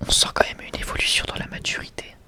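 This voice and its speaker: Whispered voice, breathy, casual ASMR chat, rambling, self-correcting. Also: fast, pushed and bright. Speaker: ASMR video creator presenting a manga collection.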